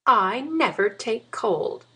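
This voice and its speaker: A man reading a story, voicing a proud, quick-tempered grown woman in a raised voice with a sharp, scolding manner. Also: high-pitched, lively intonation, pitched above the performer's own voice, full character voice. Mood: indignant.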